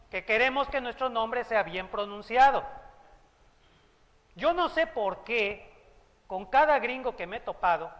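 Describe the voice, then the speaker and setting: A man's voice: very high-pitched, a bit bright, long reverb tail, muffled recording. A man with a Mexican Spanish accent, preaching a sermon as a pastor, conversational and joking with asides. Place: church hall.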